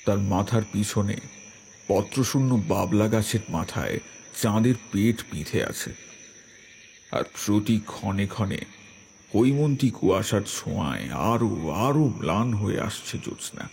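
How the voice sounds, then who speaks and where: A man narrating a scripted horror story in a slow, measured, atmospheric way. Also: fairly low pitch, lively intonation, gravelly, a little mellow, a little hiss or hum.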